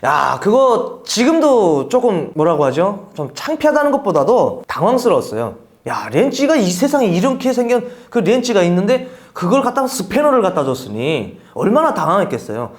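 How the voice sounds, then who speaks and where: Animated, fast-talking man from North Korea. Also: sits high. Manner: animated, laughs while telling anecdotes. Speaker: interview guest. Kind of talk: casual storytelling interview.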